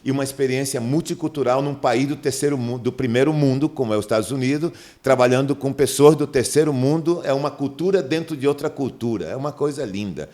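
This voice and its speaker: Middle-aged pastor from manaus, chatty interview guest, mid pitched, acts out little dialogues. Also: male voice, fast talker, few pauses. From Brazil, Manaus. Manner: animated storyteller, acts out dialogue in a raised voice. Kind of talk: podcast interview.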